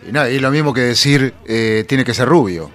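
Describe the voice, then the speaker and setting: A man's voice: medium pitch, a little fast, fairly bright tone. A man with a Rioplatense Spanish accent, hosting a radio show in casual, agreeable chat with some teasing. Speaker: radio host.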